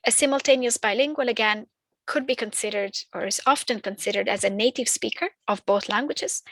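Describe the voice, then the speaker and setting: A woman's voice: medium pitch, a bit bright, no room sound, poor audio. A woman whose first language is not English, explaining terms in a training talk, with fillers and restarts. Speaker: early years language trainer.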